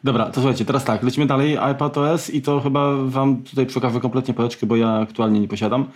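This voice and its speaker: A man hosting a casual tech podcast, moving the talk along with quick questions. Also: mid-range voice, steady tone.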